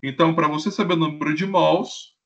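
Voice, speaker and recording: A man's voice: on the high side, steady tone, brisk. A man with a Brazilian Portuguese accent teaching a live online chemistry class, playful and joking as he acts out little scenes with students. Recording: dull lo-fi stream audio.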